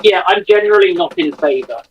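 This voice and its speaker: A man with a slightly high-pitched voice chats as a panelist. His delivery is casual and somewhat tentative, feeling his way through each point. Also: huge pitch swings, brisk, dull audio, a little hiss or hum. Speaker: panelist on a live discussion. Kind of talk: casual chat.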